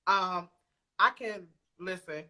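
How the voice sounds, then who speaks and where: A woman with a lowish, sharp-toned voice talks slowly as a guest on a podcast, where she is introduced as a poet and audio drama creator. The chat is casual, and she is candid and informal, swearing now and then.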